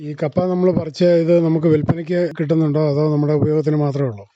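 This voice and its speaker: A man's voice: on the high side, steady tone, racing, dark tone, dry recording. A man, asking questions as a radio interviewer. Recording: dull, muffled radio recording.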